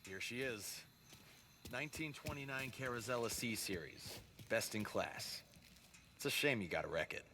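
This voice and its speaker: An actor playing a weary, resigned, grumbling night attendant in a crime game. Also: male voice, medium pitch, animated, moderate pace, background noise, natural voice. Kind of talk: naturalistic cinematic game acting.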